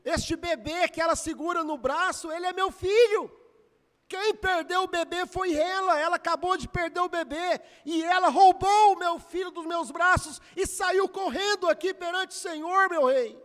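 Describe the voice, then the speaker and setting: A man voicing a grieving mother who insists and pleads loudly before a king, in an echoey hall. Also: very high voice, moderate pace, pitched above the performer's own voice. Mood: accusing.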